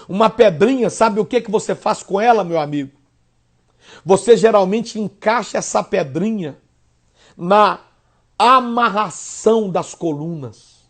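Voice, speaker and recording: Brazilian pastor, male, high voice, rhythmic repeated phrases, loud peaks dropping to hushed lines, radio sermon. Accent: Brazilian Portuguese.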